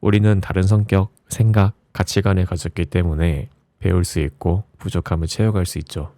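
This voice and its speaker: Deep, mellow man reading softly. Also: fairly even intonation, a little fast, no echo. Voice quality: low, mellow voice. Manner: gentle, soothing bedtime delivery. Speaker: audiobook narrator. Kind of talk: soft ASMR audiobook reading of reflective essays.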